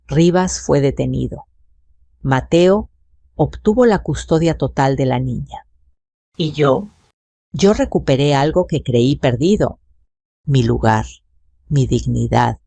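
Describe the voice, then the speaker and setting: Gravelly woman narrating a drama. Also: low-pitched, mellow, dry recording. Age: older. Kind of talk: first-person story narration.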